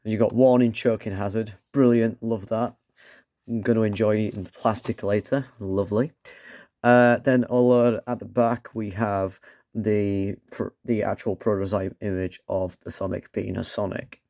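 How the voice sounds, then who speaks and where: A man reviewing a toy with a croaky voice from a cold, rambling and dropping sarcastic asides. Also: on the low side, level tone, normal speed, mellow, dry recording, clean studio sound. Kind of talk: casual product review.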